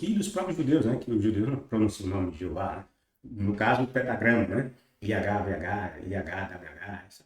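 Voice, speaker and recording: A man speaks in a dark, mellow tone, with strong echo all around him. He reads scripture passages slowly and deliberately, then breaks into loose commentary full of checking questions. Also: fairly low pitch. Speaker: religious text critic. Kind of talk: reading aloud and commenting on scripture. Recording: very echoey room.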